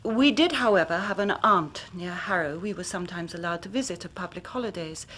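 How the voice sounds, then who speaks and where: Helen Stoner, a woman playing a hushed Victorian lady. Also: on the low side, lively intonation, a little hiss or hum. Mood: grave. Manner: measured formal speech, drops to a hushed whisper. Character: anxious young Victorian woman, grave and formal. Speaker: client telling her story. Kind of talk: period radio drama acting.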